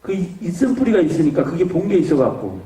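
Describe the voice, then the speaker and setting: Man telling a lively church testimony, echoey hall. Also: fairly high pitch, fast talker, far from the mic. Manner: animated storytelling, acts out shouted quotes. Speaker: evangelist giving testimony. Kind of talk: testimony at a revival meeting. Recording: echoey hall, mic from afar.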